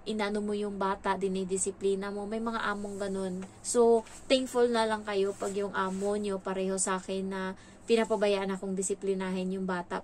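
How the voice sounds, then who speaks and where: Young woman vlogger, casual rambling storyteller, slight background hiss. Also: medium pitch. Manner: chatty, many fillers and restarts.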